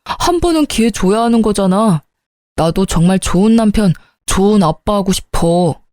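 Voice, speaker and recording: Woman reading as a begging, remorseful young husband, coaxing and low, mellow voice, dry close sound, storybook reading. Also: expressive, moderate pace, no room sound, close to an everyday voice. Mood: pleading.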